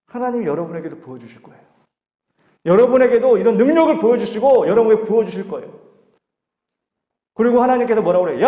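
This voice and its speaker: A man preaching a sermon to a youth service, lively and acting out voices in dialogue. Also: high voice. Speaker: youth pastor. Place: church sanctuary. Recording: echoey hall, dull lo-fi sound.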